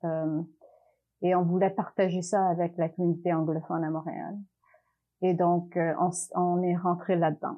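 A woman with an Italian accent speaks at a fairly low pitch and a fairly slow pace. Her intonation is monotone and flat, with long, frequent pauses. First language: Italian (speaking French). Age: 50s. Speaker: theatre director. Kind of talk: interview. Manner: halting.

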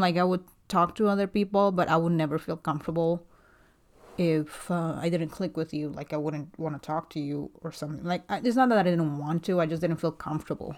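In a very clean recording with a silent background, the speaker talks at a moderate pace with a Guatemalan accent and ordinary pitch variation. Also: woman. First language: Spanish. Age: 30s. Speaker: podcaster sharing personal experiences. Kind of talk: solo personal monologue, casual. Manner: halting, hesitant with many fillers.

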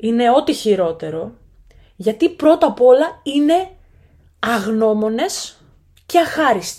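A woman's voice with very wide pitch swings. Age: 20s. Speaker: podcast host. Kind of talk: solo monologue podcast.

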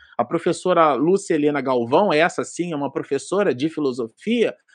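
The background is quiet, and the sound is dry and close with no echo. A man speaks at a moderate pace with very wide pitch swings. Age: 40s. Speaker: spiritist study leader. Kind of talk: lecture. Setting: livestream.

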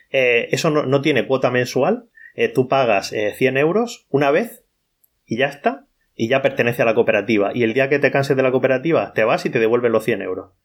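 A man talks at a medium pitch and a fairly quick pace, with ordinary pitch variation. It is an ordinary speaking voice. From Cartagena, Murcia, southeast Spain. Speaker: environmental scientist and science communicator. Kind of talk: casual chat.

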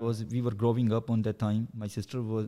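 A man speaks in a dark, mellow tone with monotone, flat intonation. The recording is very clean, with a silent background. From Punjab, India. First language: Punjabi. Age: 20s. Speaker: food delivery courier, immigrant worker. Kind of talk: casual interview chat. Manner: halting, non-fluent English.

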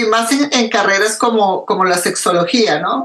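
A woman speaks at a moderate pace in an unremarkable speaking voice. Her pitch is medium, with ordinary variation. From Colombia, Bogotá. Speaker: psychologist and sexologist. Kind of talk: interview conversation.

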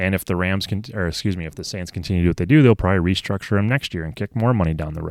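Very fast and with hardly any pauses, a man talks at a very deep, low pitch with ordinary pitch variation, the sound dry and close with no echo. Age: 30s. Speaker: sports contract analyst podcast host. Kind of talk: solo podcast analysis.

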